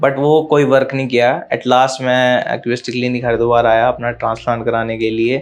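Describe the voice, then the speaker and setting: Noticeable background noise sits under a man talking with hardly any pauses in a monotone, flat delivery. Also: medium pitch for a man. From Uttar Pradesh, India. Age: 20s. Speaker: hair transplant patient. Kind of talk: testimonial.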